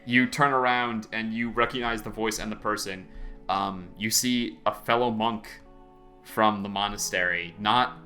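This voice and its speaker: Halting male game master. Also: fairly low pitch, fairly even intonation, sharp tone, faint music behind. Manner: halting, many fillers. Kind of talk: tabletop game narration.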